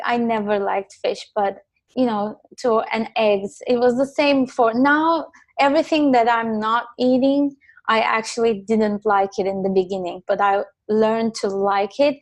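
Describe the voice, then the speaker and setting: A woman's voice: on the high side, no echo. A young adult woman from Turkey, talking hesitantly as a guest in a casual interview, with many ums and restarts.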